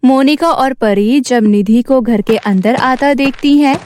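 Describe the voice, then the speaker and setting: A woman's voice: high-pitched, a little slow, darkish tone, dry recording. A woman reading scripted narration as the storyteller of a children's moral tale.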